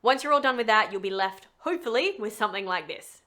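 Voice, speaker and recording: A woman hosting a voice-over tutorial, explaining things to viewers in a chatty, expressive, emphatic way. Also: medium pitch, fast talker.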